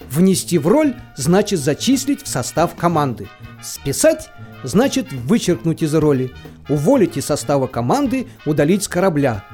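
Lively, mellow mock-lecturing narrator. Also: male voice, on the high side. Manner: mock-didactic, playful. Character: droll narrator reading a mock sea dictionary. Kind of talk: scripted humorous definitions in an audio play.

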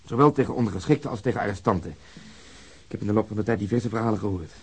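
Blunt, cynical cop in radio drama; low-pitched, husky, emphatic. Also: male voice, racing, full character voice. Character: blunt, bitter male police officer, ex-serviceman. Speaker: actor.

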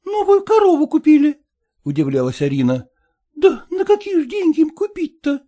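A woman's voice: high-pitched, huge pitch swings, moderate pace, mellow. A woman voicing an eager, impatient young peasant woman who presses and pleads in folksy speech. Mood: fretful.

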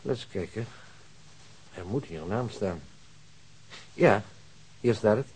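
An actor playing a helpful, unhurried hospital staff member in a radio drama, measured and deliberate. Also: male voice, on the low side, expressive, darkish tone, husky, full character voice. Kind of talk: naturalistic radio drama acting.

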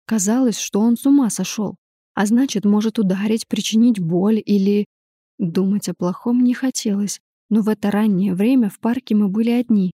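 Женщина-чтец с мягким тёплым голосом. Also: female voice, medium pitch, warm tone, slightly rough, no room sound, clean studio sound. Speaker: audiobook narrator. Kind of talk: first-person audiobook narration.

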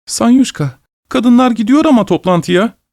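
A man's voice: very high voice, animated, moderate pace, gravelly, a little mellow, dry recording, studio quality, voice pushed up, exaggerated voice. A man reading an audiobook, voicing a timid young peasant wife with a trembling, pleading voice.

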